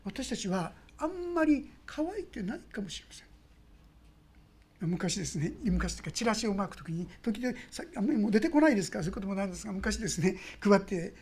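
A woman pastor preaching a sermon, telling the story with lively swings between loud exclamations and hushed asides. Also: medium pitch, fast, husky.

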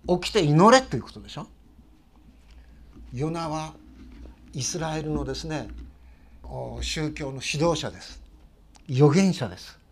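An older man preaching a sermon as a pastor, telling the story with frequent "desu ne" fillers and sudden loud bursts when he acts out quoted lines. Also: on the high side, expressive, measured pace, pauses often.

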